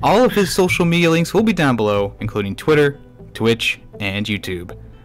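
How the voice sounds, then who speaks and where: With music in the background, a man at a fairly high pitch speaks at a moderate pace, his pitch swinging very widely. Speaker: podcast host. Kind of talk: casual interview conversation.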